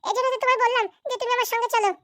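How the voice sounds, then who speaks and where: Someone voicing a very high, pleading young wife. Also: little pitch movement, very fast, bright, forceful tone. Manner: placating, protesting. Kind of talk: Bangla comedy cartoon dialogue.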